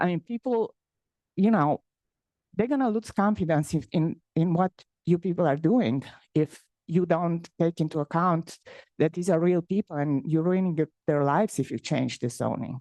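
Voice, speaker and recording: A woman speaks at a fairly low pitch in a dark, mellow tone. Her pace is moderate, and the sound is dry and close with no echo. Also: lively intonation, quiet background. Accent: Romanian. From Romania. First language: Romanian. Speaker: public commenter. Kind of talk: public comment at meeting. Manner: halting.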